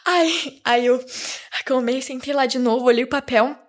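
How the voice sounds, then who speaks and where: A teenage girl speaking as a podcast guest, telling a lively story about her faith with frequent restarts. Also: high-pitched, normal speed. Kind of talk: casual faith testimony.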